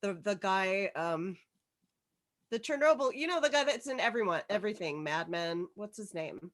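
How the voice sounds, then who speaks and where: A woman chatting casually in an excitable, slangy way, swearing freely, on a group call. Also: mid-range voice, moderate pace. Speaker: participant in a virtual table read group. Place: remote online video call.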